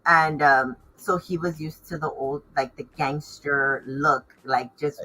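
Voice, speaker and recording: Casting: woman, low pitch with a bright edge, informal and emphatic interview guest. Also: fairly even intonation, slow, poor audio. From Los Angeles area, United States. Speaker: fashion designer and stylist, interview guest. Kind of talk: casual interview chat.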